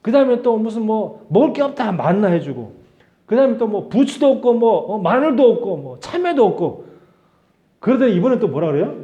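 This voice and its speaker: A man's voice: high-pitched, mellow, lo-fi sound. A man preaching a sermon as pastor, in a conversational style that acts out the quotes he tells. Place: church sanctuary.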